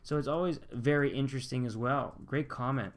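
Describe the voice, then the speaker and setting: A man's voice: mid-range voice, fairly quick. A young American man from Pennsylvania, chatting casually on his channel as he reads viewer comments aloud and answers them with loose, upbeat restarts. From Pennsylvania, USA. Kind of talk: casual vlog chat, reading comments aloud.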